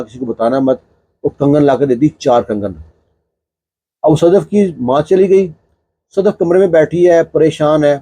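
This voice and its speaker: A man tells a domestic story in a loose, chatty manner, often breaking it up with small fillers. His voice is husky and mellow, and it sits fairly high for a man. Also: no room sound. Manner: conversational, filler-laden narrating. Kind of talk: casual spoken storytelling.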